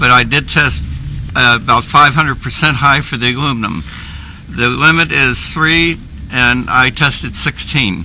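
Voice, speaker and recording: With ordinary pitch variation, a man talks at a moderate pace amid noticeable background noise. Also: medium pitch for a man. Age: 70s. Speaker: citizen giving testimony. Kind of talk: testimony. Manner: halting.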